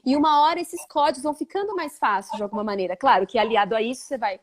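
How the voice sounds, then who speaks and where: Animated Brazilian woman, higher voice. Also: rapid-fire. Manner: animated, acts out quoted voices. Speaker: English teacher guest. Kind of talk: casual interview chat.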